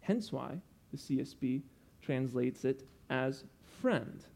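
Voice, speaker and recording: A man's voice: medium pitch, animated, slow pace, vocal fry, a little mellow. A young man preaching a sermon, earnest and explanatory, stopping to teach with asides.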